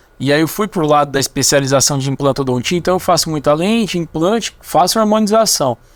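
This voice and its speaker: Speaking with a Paraná accent, a man talks at a fairly quick pace with a fairly high pitch and lively intonation. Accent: southern Brazilian (Paraná), mild. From Paraná, southern Brazil. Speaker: dentist. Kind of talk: podcast interview.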